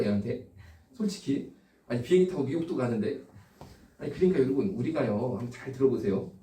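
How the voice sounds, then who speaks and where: Animated male pastor preaching in an echoey hall. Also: mid-range voice. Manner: animated storytelling, rhetorical questions to the congregation. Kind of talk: sermon. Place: church hall. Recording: echoey room, distant from the mic.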